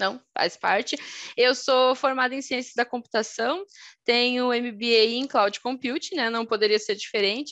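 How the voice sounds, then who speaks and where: The woman's pitch is high, with ordinary variation. She talks at a fairly slow pace. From southern Brazil, Porto Alegre. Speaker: cloud computing instructor and tech speaker. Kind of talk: conference talk. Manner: animated.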